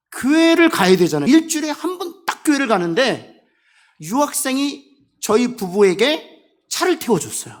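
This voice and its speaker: Male pastor, middle-aged, emotional sermon storyteller; high, very animated delivery. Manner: emotional storytelling, swings from quiet to emphatic.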